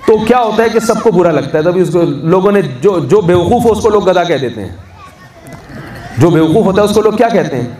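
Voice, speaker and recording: A religious scholar with a high-sitting, dark-toned voice and lively intonation preaches to a gathering in a conversational way. He poses questions to his listeners and answers them himself, heard from a distance in an echoey hall with faint noise.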